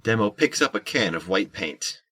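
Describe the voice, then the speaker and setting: Low, husky male narrator. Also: big pitch swings, moderate pace, fairly bright tone. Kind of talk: scripted audio drama narration.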